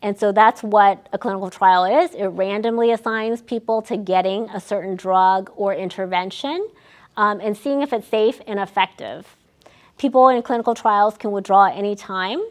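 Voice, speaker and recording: A woman's voice: mid-range voice, normal speed. A young adult woman, a research staff member, gives an educational talk to older adults, explaining with frequent ums and restarts. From United States. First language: Vietnamese.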